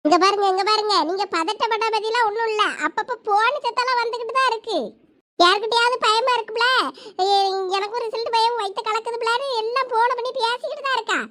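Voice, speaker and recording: A woman playing a sharp-tongued village mother who nags and scolds. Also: very high-pitched, fairly even intonation, quick pace. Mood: scolding. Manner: scolding, nagging. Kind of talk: comedy skit acting.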